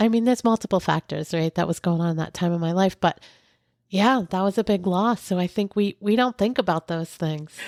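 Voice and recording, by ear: A woman's fairly low, slightly mellow voice at a fairly quick pace, with ordinary pitch variation and a dry, close sound with no echo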